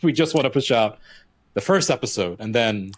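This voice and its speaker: A man's voice: mid-range voice, lively intonation, normal speed, dry recording. A young man co-hosting a gaming podcast, born and raised in the United Arab Emirates, chatting casually with lots of fillers and restarts. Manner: rambling, filler-heavy, restarts often. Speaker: podcast co-host. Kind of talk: casual chat.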